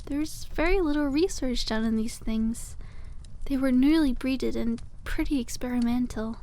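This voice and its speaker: A woman playing a cute, cheerful young witch who keeps a dragon egg shop, speaking softly and politely in an ASMR roleplay as she gently pitches her wares to a customer. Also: measured pace, slight background noise. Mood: informative, proud. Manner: gentle sales patter, quaint polite wording. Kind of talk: soft-spoken ASMR roleplay, one-sided conversation with a customer.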